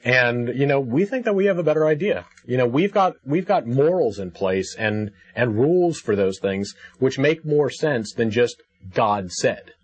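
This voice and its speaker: A man with a husky voice hosting a call-in radio show, debating in a sceptical, challenging manner. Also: medium pitch, lively intonation, normal speed, few pauses. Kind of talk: debating a caller. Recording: dull, lo-fi radio show audio.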